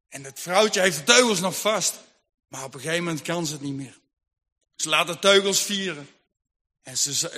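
Bright-voiced male storyteller with hall reverb. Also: high-pitched. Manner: vivid, rhythmic telling with lists. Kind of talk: dramatic Christian story narration. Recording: long hall reverb, faint music.

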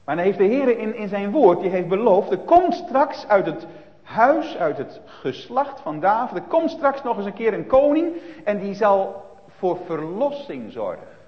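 Male preacher, sermon for children, emphatic swings; somewhat high, dull lo-fi sound. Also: big pitch swings, moderate pace. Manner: emphatic, swinging from loud to hushed, frequent tag questions. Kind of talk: sermon retelling a Bible story for children. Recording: reverberant, dull lo-fi church recording.

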